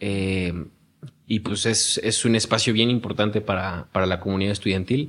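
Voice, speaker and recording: With a quiet background, a man speaks in an ordinary speaking voice, fairly low in pitch, with fairly even intonation at a moderate pace. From Mexico, Cuernavaca (Morelos). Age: 20s. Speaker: student leader. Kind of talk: casual chat.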